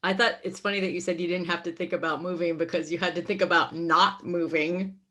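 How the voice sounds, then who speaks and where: A woman's voice: lowish voice, fairly even intonation, brisk, pushed and bright. A woman speaking casually as a member of a theater team in a group discussion. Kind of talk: casual chat.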